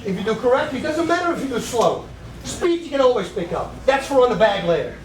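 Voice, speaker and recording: In a spacious training gym, a martial arts coach with a high voice runs a striking class, counting out combinations amid punch sounds and shouting cues. He talks fast in a sing-song way and sounds distant from the camera, with faint background noise.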